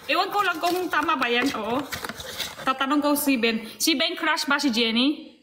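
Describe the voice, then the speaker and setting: A young woman with a high, bright voice chats playfully in a casual vlog, often breaking into laughter. A faint hiss sits under her voice. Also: moderate pace. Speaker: vlogger. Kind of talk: casual chat.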